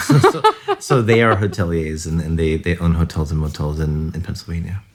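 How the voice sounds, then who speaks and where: In a low voice at a moderate pace, a young American man tells casual stories about his family while guesting on a podcast. He rambles a lot and says "like" often.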